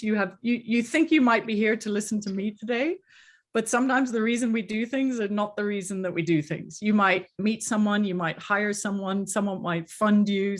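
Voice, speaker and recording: A middle-aged woman with a mid-range voice runs an online workshop as a coach over a video call. Her mixed international English accent is hard to place, and she talks earnestly and chattily, using many fillers.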